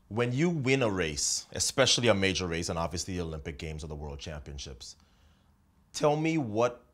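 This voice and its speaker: A man with a very low voice hosts a sports interview. He builds up his questions at length and probes his guest with playful setups. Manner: leading, probing questions. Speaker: interviewer, host.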